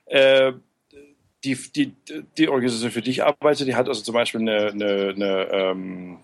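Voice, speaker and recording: A man's voice: lowish voice, steady tone, moderate pace. A man working for an aid group, answering interview questions casually, hesitant, with many fillers and restarts. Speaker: aid worker being interviewed.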